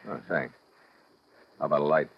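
An actor playing a cool, tough American special agent in a 1950s radio drama, speaking tersely in wisecracking slang. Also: male voice, a bass voice, steady tone, moderate pace. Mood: wry, relaxed. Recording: muffled, noisy vintage radio recording.

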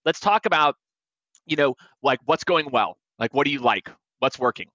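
A man's voice: medium pitch, expressive, normal speed, bright, forceful tone, dry recording, lo-fi sound. A man in his forties, a sales expert guest on a podcast, giving emphatic advice and acting out quoted lines. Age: 40s.

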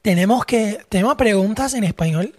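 A woman's voice: medium pitch, animated, a little fast. A Brazilian woman, a guest singer, chatting casually and playfully, slipping into mock Spanish jokes. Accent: Brazilian Portuguese. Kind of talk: casual chat.

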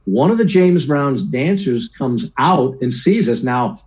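A man in his sixties tells stories from his career in a casual interview, mimicking the people he quotes. His voice is dark and mellow. The audio sounds a little muffled and lo-fi. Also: medium pitch, measured pace. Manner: lively anecdotes, acts out quoted voices, keeps asking "right?". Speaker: guest, sports broadcaster.

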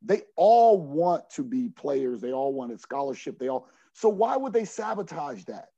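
A man in his forties with a dark, mellow voice talks earnestly as a coach on a podcast. He restarts and repeats words while he gathers his thoughts. The audio is dry and a little muffled. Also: on the high side, big pitch swings, moderate pace, creaky, no room sound. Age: 40s. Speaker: junior college basketball coach. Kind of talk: podcast interview answer.

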